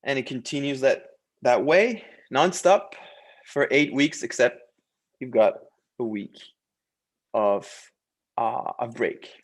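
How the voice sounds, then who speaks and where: Male course presenter, mid-pitched and unhurried, measured promotional read in short emphatic phrases. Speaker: French language coach and course presenter.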